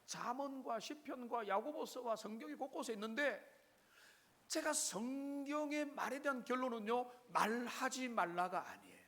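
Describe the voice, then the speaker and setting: High-voiced Korean pastor preaching. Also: male voice, expressive, moderate pace, a bit bright. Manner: preaching with frequent direct address to the congregation and rhetorical questions. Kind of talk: sermon. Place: church sanctuary.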